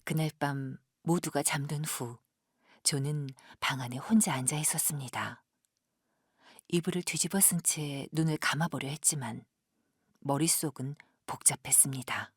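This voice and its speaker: A woman professional narrator reading a scripted audio drama in a measured, gentle storytelling manner. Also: low-pitched, breathy edge, dry recording, clean studio sound.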